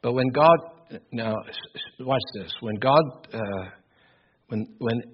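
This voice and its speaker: An older man preaching a sermon with a loud voice, earnest and emphatic, often repeating words as he builds his points. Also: mid-range voice, slow, breathy edge. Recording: dull lo-fi recording.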